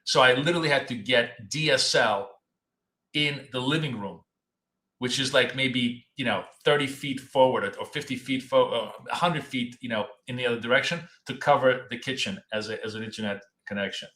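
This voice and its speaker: A man running a live trading stream from his apartment office. He chats loosely and doubles up words, and his voice is going hoarse. His tone is bright and forceful, and the room gives it a noticeable echo. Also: medium pitch, normal speed. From United States. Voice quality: talkative, repeats himself, loose and chatty. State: losing his voice, coughing. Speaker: trading show host. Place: home office in a city apartment.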